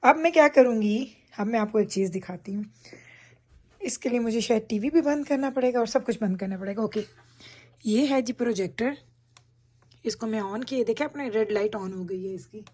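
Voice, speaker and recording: A woman with a fairly high, darkish voice talks at a normal speed while filming a nighttime tour of her bedroom on her phone. It's relaxed home-vlog chatter, spoken straight to viewers as she points things out.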